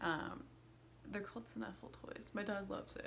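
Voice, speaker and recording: The speaker mumbles at a moderate pace. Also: woman. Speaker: chronic illness vlogger. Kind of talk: casual talk to camera. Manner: mumbling.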